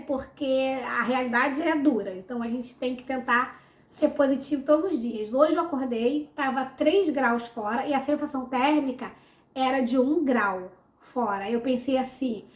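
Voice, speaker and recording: High-voiced chatty Brazilian woman. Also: roomy sound. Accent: Brazilian Portuguese. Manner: chatty, upbeat, talks with many fillers. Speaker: vlogger answering follower questions. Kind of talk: casual Q&A vlog. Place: home, room with a window.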